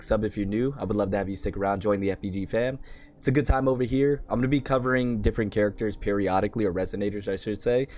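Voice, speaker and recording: A man with a worn-out, hoarse voice, hosting a casual gaming channel and chatting through a character guide in a rambling, self-deprecating way. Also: lowish voice, darkish tone. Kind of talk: casual game guide commentary.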